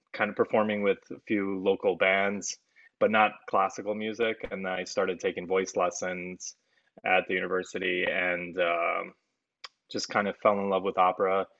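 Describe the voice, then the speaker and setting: Deep gravelly young man, dull dry line. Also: no echo. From born in Romania, raised in the US. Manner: relaxed, hesitant, frequent fillers. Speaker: opera singer, interview guest.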